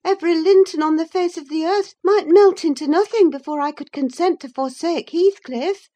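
A woman's voice: extremely high pitch, normal speed, dark tone, pitched above the performer's own voice. A woman reader voicing a passionate, headstrong young woman torn in love, speaking with impassioned fervor. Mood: indignant. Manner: fervent, impassioned declaiming.

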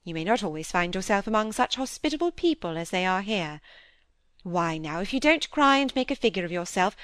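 A woman's voice: mid-range voice, expressive, brisk, fairly bright tone, dry recording, natural voice. A woman reading an audiobook, voicing a breezy, self-absorbed widow who chatters on in a lightly condescending way. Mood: chatty. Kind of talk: audiobook character voice.

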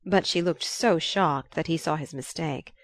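A woman narrating a novel aloud in a calm, even storytelling manner. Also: sits low, a little slow, no echo, clean studio sound. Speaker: audiobook reader.

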